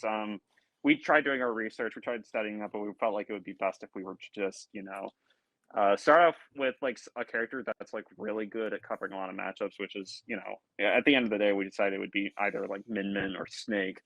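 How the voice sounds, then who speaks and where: A young college player answering interview questions over a call, hesitant, full of likes and ums. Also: male voice, on the low side, fairly quick, fairly bright tone, no room sound, highs cut off. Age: young adult. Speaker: college esports team player. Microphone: earbuds or headset on a call.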